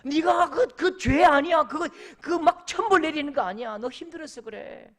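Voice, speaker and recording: Gentle fatherly god comforting a hurting kid, lilt, pastor doing the voice. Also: extremely high pitch, lively intonation, moderate pace, full character voice. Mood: tender. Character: tender fatherly God reassuring a hurting child.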